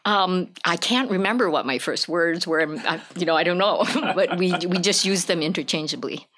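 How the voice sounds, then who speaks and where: Woman from hawaii, lowish voice, rambly and chatty, ums and little laughs, talking about her field. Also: moderate pace, a bit bright. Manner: chatty, with frequent fillers and light laughs. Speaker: professor of Japanese literature. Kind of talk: casual interview talk.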